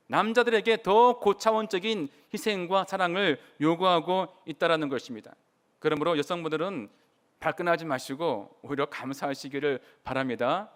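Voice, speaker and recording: A man's voice: high-pitched, fairly bright tone. A man preaching a sermon in church as pastor, earnestly putting questions to the congregation. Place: church sanctuary.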